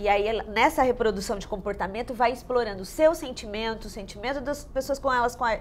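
This woman has an unremarkable speaking voice, pitched fairly high, with lively intonation. Light background noise sits behind her. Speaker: childhood advocate. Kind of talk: studio debate. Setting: studio. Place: studio.

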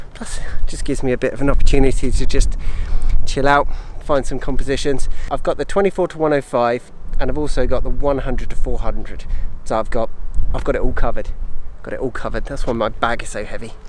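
A man speaks at a fairly quick pace. The sound is dry with no echo, with light background noise. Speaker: landscape photographer vlogger. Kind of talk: casual vlog chat. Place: open country. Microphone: phone near.

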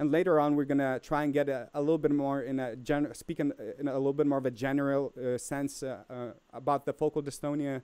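The delivery is very fast and monotone, with flat intonation. The tone is dark and mellow, and the sound is dry with no echo. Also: man, fairly high pitch for a man. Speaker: YouTube channel host and brass musician. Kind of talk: live stream chat. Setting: live video stream. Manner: halting. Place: home room. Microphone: studio mic.

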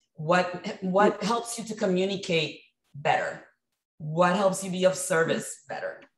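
A woman at a medium pitch talks at a fairly quick pace with fairly even intonation and long, frequent pauses, in a room with audible echo. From Puerto Rico. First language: Spanish. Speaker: writer and journalist; journalist. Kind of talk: panel discussion. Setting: video call. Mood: thoughtful, measured. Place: home room. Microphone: video call.

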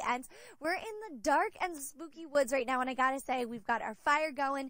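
Raised and projected, a woman's voice moves at a moderate pace with lively intonation in dry sound with no echo. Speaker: TV news reporter. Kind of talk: live news segment chat. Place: forest. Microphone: handheld.

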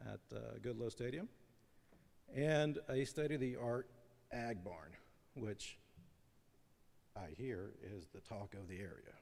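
A man with an American accent mumbles at a fairly slow pace and medium pitch, using lively intonation, vocal fry, and long, frequent pauses. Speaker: community committee member presenting to school board. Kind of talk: committee presentation at public meeting. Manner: mumbling; hesitant, many fillers. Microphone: too quiet, far from mic early on.

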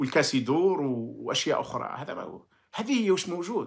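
A man's fairly high voice with very wide pitch swings at a moderate pace, over a quiet background. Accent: Algerian. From Algeria. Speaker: political commentator, former diplomat; political commentator. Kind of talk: political monologue. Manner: animated. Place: home room. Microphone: phone near.

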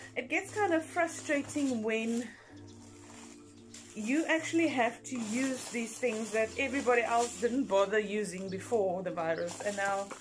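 A woman talks at a fairly slow pace with lively intonation while music plays clearly in the background. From South Africa. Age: 40s. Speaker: vlogger. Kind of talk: casual talk to camera. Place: home room. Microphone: phone near.

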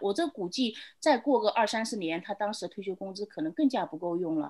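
A woman talks fairly quickly over a quiet background. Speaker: remote interview guest. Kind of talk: interview answer. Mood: calm, reflective storytelling. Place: home room. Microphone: video call.

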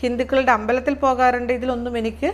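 The woman speaks with a high pitch. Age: 30s. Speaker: model. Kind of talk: interview.

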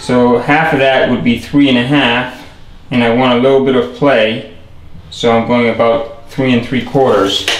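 A man at a fairly slow pace, with noticeable background noise. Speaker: renovation contractor. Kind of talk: tutorial. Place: bathroom. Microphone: camera far.

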